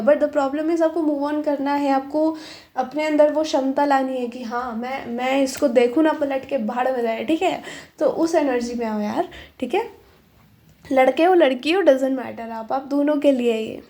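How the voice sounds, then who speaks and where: A high-pitched woman telling a tarot reading in a chatty, playful way. Her tone is soft and mellow rather than bright, and she keeps slipping into acted-out lines and giggles as she spins the scene. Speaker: tarot reader. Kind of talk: casual pick-a-pile tarot reading.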